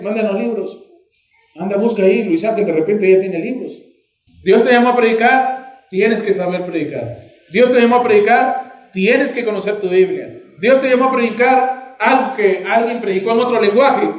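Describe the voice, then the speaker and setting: High-voiced Peruvian preacher in echoey church. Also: male voice. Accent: Peruvian Spanish. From Peru. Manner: animated, acts out dialogues with shifting voices. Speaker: pastor. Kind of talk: sermon. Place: church sanctuary.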